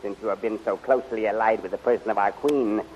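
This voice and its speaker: A man's voice: fairly low pitch, steady tone, fast talker, natural voice. Guy playing suave mocking villain, old 30s radio serial, dull sound w/ some hiss. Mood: smug, mocking. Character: smug, mocking male villain of a palace court. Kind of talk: 1930s radio serial acting. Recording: muffled, noisy 1930s radio recording.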